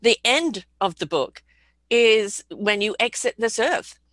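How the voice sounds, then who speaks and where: A woman hosting an interview, animated and encouraging, who laughs often while asking questions. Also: fairly high pitch, slow, dry recording. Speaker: interview host. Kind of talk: conversational interview.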